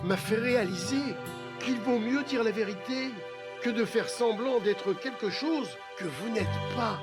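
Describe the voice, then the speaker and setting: A man's voice: extremely high pitch, a little slow, loud music behind the voice. A man voicing a big, apologetic giraffe who poses as a scary dragon in a French children's cartoon. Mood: apologetic, sincere.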